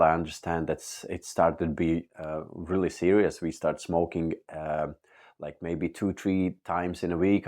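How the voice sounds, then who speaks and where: Guy with a really low voice telling his church testimony, lots of uh and um, sincere. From Latvia. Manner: halting, with many uh and um pauses; earnest and open. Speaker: church member giving testimony. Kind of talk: personal testimony.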